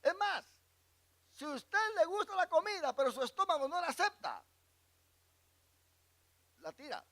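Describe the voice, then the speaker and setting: High, lively pastor teaching slowly. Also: male voice. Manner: asks the congregation questions and lets them fill in words; reads scripture verses aloud and explains them. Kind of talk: bible class teaching.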